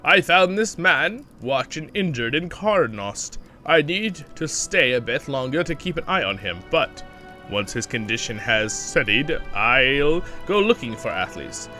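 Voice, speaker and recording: A man's voice: medium pitch, big pitch swings, a little slow, pushed and bright, soft background music. A man voicing a male ranger who tends an injured man, reading quest text aloud. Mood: earnest.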